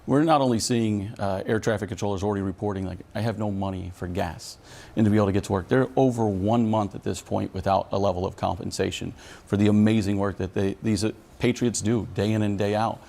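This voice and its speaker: Middle-aged american guy, union spokesman in a news interview, low voice w/ some gravel, earnest and emphatic. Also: steady tone, fast talker, a little mellow. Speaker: union leader representing air traffic controllers. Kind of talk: formal news interview answers.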